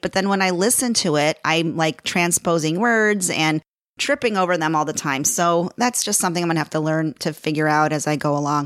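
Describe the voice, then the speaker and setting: On a very clean recording with a silent background, a woman speaks with a Chicago accent. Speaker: podcast host. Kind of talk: solo reflective monologue. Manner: casual, chatty.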